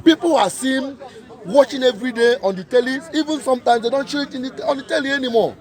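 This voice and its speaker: A man's voice: very high-pitched, fast talker, a faint crowd. A man giving an impassioned protest speech outdoors, repeating his points with emphatic rhetorical questions. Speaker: protest speaker.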